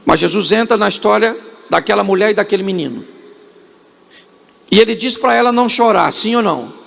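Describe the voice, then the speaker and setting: A man's voice: high-pitched, animated, fairly quick, gravelly, fairly bright tone. A male pastor with a Brazilian Portuguese accent preaching a humorous, dramatic sermon in a church, quizzing the congregation with repeated questions. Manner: dramatic storytelling with sudden rises and drops.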